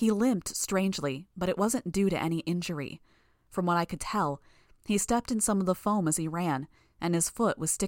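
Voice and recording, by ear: Natural-voiced reading aloud, its pitch moving in an ordinary way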